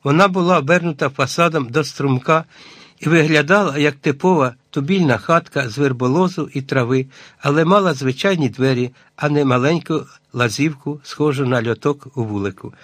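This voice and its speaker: A man reading a first-person adventure novel aloud as scripted audiobook narration, measured and even. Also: fairly high pitch, no echo.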